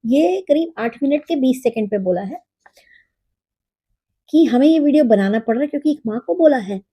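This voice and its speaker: Husky high-voiced woman, mocking. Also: lively intonation, normal speed, dark tone. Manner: mocking, scolding, mixes in English phrases. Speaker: reaction video host. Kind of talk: sarcastic reaction commentary.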